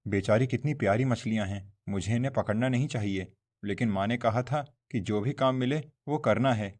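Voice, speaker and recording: A man's voice: mid-range voice, brisk, a little mellow, natural voice. A man voicing an honest, poor young man in a cartoon, talking earnestly and pleadingly. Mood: sorrowful. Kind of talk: Hindi cartoon voice acting.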